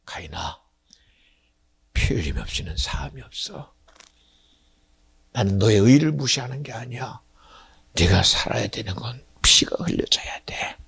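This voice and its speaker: A man voices a gentle savior figure who pleads softly. He speaks low, often in a breathy whisper with gravel in it. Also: normal speed, dry recording, exaggerated voice. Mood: tender pleading. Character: tender divine male savior, pleading gently.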